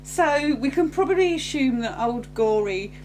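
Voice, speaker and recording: A woman with a fairly high, very lively voice, chatting about old television with her co-host and adding trivia along the way. A clear hum sits behind her voice throughout. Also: normal speed. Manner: lively, chipping in with agreement and trivia. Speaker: podcast co-host. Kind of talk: casual chat about an old TV episode.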